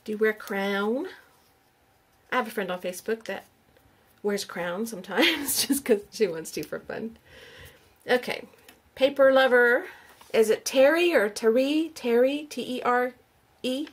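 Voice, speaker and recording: A woman's voice: fairly high pitch, lively intonation, a little slow, pauses often. A middle-aged woman, chatting casually on camera as she hosts a giveaway, sounding out names aloud and asking viewers questions. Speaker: YouTube crafter hosting a giveaway. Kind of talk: casual on-camera vlog chat.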